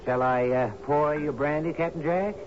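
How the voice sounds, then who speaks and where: Guy acting loyal servant in an old radio play, mild, bit hesitant, slightly high voice, muffled sound. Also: normal speed, background noise, lightly acted. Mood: deferential, mild. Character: deferential, loyal manservant to an old sea captain.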